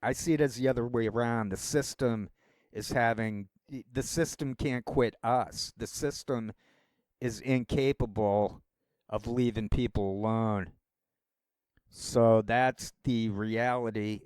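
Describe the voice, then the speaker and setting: A man's voice: mid-range voice, steady tone, a little slow, darkish tone, clean tone, no echo. A man rambling through a casual solo monologue as a vlogger, wandering from thought to thought. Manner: rambling, meandering talk.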